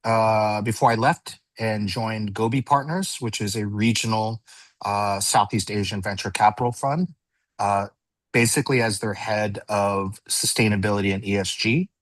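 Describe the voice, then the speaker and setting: A man in his fifties with an American accent, giving a relaxed, chatty self-introduction on a live online panel with plenty of "uh"s. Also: fairly low pitch, normal speed, dry recording. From United States. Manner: relaxed, chatty, hesitant with many fillers. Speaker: venture capital panelist.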